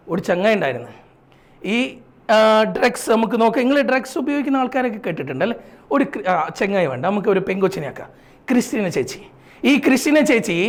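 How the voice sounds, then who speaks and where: A man teaching an exam-prep lesson, spinning silly mnemonic stories and calling his students "children". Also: high voice. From Kerala, India. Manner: chatty storyteller, calls students "children" affectionately.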